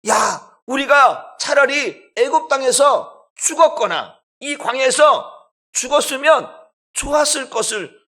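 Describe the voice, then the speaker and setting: A preacher acting out frantic, terrified ancient Israelite men. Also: male voice, very high-pitched, moderate pace, gravelly, few pauses, voice pushed up, full character voice. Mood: panicked. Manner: frantic, shouting in alarm.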